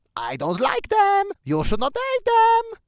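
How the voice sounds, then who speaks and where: A squeaky, put-on character voice with an Eastern European accent, extremely high in pitch, at a fairly slow pace. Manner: disapproving, scolding.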